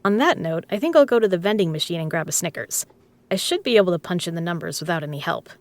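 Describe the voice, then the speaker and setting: A woman's voice: on the low side, lively intonation, fast, dry recording. A woman playing a tough, teasing poker club owner with a dry, casual manner in an audio drama. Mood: wry, teasing. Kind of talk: scripted audio roleplay spoken to the listener.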